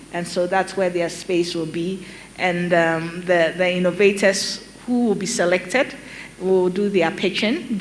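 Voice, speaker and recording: A middle-aged Ghanaian woman with a Ghanaian accent and a lowish voice explains a program as a conference panel speaker. She speaks in a measured way, with many ums and restarts. The recording is low quality with slight background noise.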